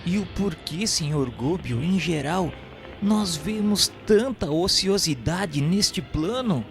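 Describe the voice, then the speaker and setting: An actor playing an earnest spirit pupil who recounts a journey in formal, literary radio drama narration. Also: male voice, high voice, animated, slow pace, full character voice. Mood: curious, earnest. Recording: echoey hall reverb, music behind.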